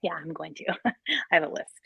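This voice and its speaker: A woman's voice: deep voice, steady tone, brisk, gravelly, slightly rough, dry recording, muffled recording. A woman co-hosting a casual book live show, chatting in an informal, effusive and emphatic way. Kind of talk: casual chat.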